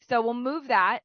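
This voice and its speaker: A woman's voice: fairly high pitch, no echo, muffled recording. A woman teacher who is sick and sounds nasal, giving chatty writing feedback and often tagging "right?" onto her sentences.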